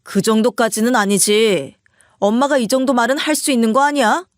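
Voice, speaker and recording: A woman's voice: a little high, moderate pace, dry recording, clean studio sound, lightly acted. A woman voicing a defensive husband in a storybook reading, curt and dismissive. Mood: irritated. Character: irritated defensive husband, adult man.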